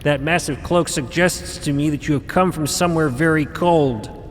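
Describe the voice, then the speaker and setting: An actor playing an eccentric, cryptic elder grandparent in an audio drama, with formal, theatrical diction. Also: male voice, fairly high pitch, moderate pace, big-room sound, a little hiss or hum, natural voice. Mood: breezy, playful. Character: eccentric elder robed mother-figure, male, grandparental, breezy and cryptic.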